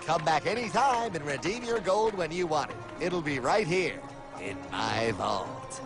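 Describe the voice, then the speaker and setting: A man's voice: fairly high pitch, lively intonation, measured pace, gravelly. An actor playing a folksy, affable, slick banker in a cartoon, with a chummy salesman manner. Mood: smooth salesmanship. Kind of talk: animated cartoon dialogue. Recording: music behind the voice.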